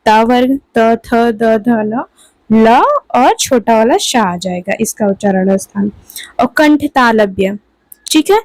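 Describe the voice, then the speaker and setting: Woman teacher, slow and deliberate, higher voice, dry close mic, exam-prep lesson. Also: a little mellow, dry recording, rough recording. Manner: slow, repeats "ठीक है दोस्तों" between points.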